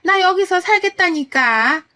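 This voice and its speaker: A woman voicing a bossy older mother-in-law who scolds in a shrill, indignant way. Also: animated, measured pace, sharp tone, exaggerated voice.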